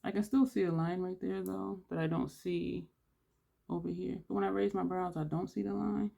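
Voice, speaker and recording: Gravelly, rambling makeup vlogger. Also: mid-range voice, steady tone, normal speed, warm tone. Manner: rambling, thinks aloud while working; audible breathing between phrases. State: congested-sounding. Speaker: beauty vlogger. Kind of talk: casual makeup tutorial chat.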